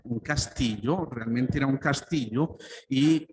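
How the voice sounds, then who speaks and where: A man's voice: mid-range voice, a little slow, darkish tone. A Colombian man with a Paisa accent, a doctor giving a spiritual lecture that moves into storytelling, often checking in with listeners by asking "¿cierto?". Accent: Paisa (Antioquian) Spanish. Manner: storytelling with frequent "¿cierto?" asides. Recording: long hall reverb, faint background noise.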